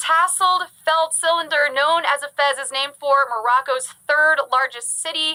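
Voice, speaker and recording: A woman speaks in a raised, projected voice at a moderate pace. Her tone is bright and sharp, as well as upbeat and energetic. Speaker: game show host. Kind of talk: live trivia game show hosting. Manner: upbeat, energetic.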